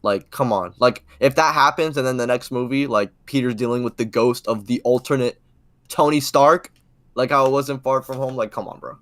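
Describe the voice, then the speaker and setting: A man's voice: mid-range voice, fairly quick, fairly bright tone, no echo. Slangy man in a dry-sounding space. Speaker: podcast co-host. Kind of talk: casual chat.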